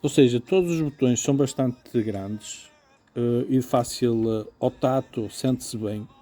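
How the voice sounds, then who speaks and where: A man with a European Portuguese accent talks through a product demonstration in an informal, explanatory way. His voice is very mellow and dark, sitting at an average male pitch. He sounds like an everyday reviewer checking that the listener follows. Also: measured pace, soft background music. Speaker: motorcycle gear reviewer.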